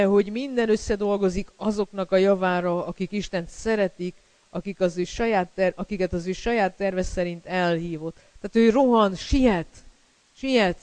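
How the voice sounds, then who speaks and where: A man's voice: high-pitched, darkish tone, clean tone, no room sound, poor audio. A man preaching a sermon, emphatic and repeating key words, with fillers between phrases.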